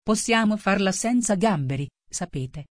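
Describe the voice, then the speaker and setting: A woman voicing a sorrowful, weepy male mock turtle in a storybook reading, speaking low and mournfully. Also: animated, a little slow, dry recording, clean studio sound, natural voice. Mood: hushed.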